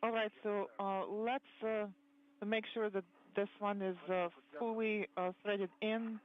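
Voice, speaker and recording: A man interpreting crew talk live over a tinny space-to-ground radio loop, halting and full of fillers. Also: high voice, flat delivery. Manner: halting, with frequent fillers and restarts. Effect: tinny space-to-ground radio, like a communicator. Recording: thin phone-like radio channel with faint hiss.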